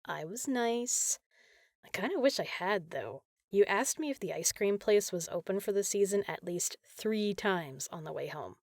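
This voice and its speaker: A woman playing a caring, teasing big sister in an intimate comfort roleplay, talking softly and casually. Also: mid-range voice, animated, normal speed, dry recording, clean studio sound. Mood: teasing, playful. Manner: soft, soothing, casual, playful.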